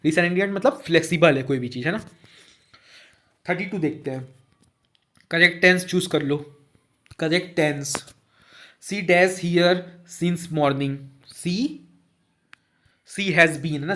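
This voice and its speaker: A man teaching an exam-prep lesson, repeating every answer and checking in with students as he goes. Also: fairly high pitch. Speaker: online tutor.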